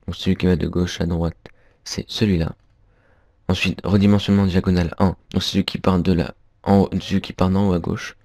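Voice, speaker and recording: A young man walks through a software tutorial on screen, stumbling over his words and restarting often. His voice sits very low. It is recorded dry and close on a computer mic. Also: no echo. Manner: hesitant, many fillers and restarts. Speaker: tutorial maker.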